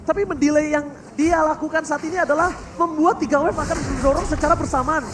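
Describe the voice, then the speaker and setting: A man with an Indonesian accent giving excited, dramatic live game commentary as a play-by-play caster, dropping in English catchphrases. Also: extremely high pitch, quick pace. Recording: crowd and loud background noise.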